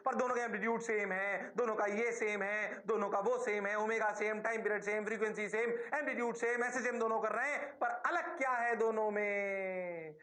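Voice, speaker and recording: High-voiced coaxing male physics teacher. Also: fairly bright tone. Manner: coaxing, fires quick questions and answers them himself; mixes English phrases into his explanations. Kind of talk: classroom lesson.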